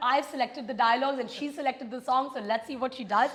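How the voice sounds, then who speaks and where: A woman talks at a very fast pace. Her voice has a high pitch. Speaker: interview show host. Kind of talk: casual interview.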